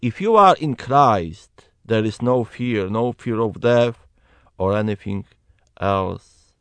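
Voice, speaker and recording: Slow earnest man with a Polish accent. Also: fairly low pitch, animated, a bit bright, no echo. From Poland. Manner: slow, earnest, emphatic preaching. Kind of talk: personal testimony, Bible reading.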